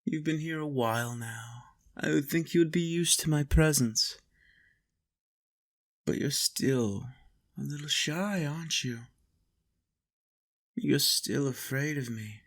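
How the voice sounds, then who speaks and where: Creaky, possessive vampire master, acted by a man. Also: a little high, takes it slowly, pauses often. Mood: teasing menace. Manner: coaxing, teasing, soft menace with chuckles. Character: possessive vampire master, doting, teasing, faintly menacing. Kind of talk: intimate roleplay audio monologue.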